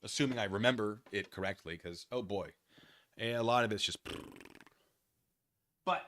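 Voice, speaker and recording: A man's voice: on the low side, moderate pace, fairly bright tone, a little hiss or hum. A man hosting a livestream, giving casual, rambling commentary with playful, self-deprecating asides and chat with his viewers.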